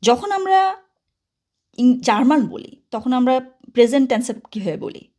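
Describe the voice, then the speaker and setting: A woman teaching a German grammar lesson in Bengali, patient and steady, often pausing to ask whether the students follow. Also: sits high. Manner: patient, asks many checking questions. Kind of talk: classroom-style grammar lesson.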